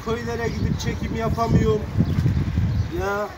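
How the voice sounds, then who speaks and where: Street vlogger man, coaxing and pleading, high voice, far from the camera, heavy outdoor noise. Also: completely flat delivery, moderate pace. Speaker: vlogger filming villages. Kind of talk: casual on-camera street interview. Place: outdoors in a city park. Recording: distant voice under very loud street noise.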